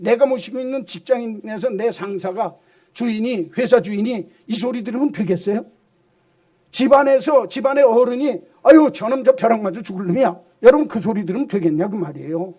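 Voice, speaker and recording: A man's voice: high-pitched, a little mellow. A male pastor preaching a sermon with emphasis, often asking the congregation rhetorical questions.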